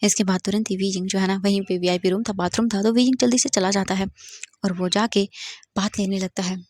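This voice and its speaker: Woman telling a fanfic story, easygoing, dry close sound, mid pitch. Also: steady tone, fairly quick, a little mellow, dry recording. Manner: plain narration mixing English words. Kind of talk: casual retelling of fan fiction.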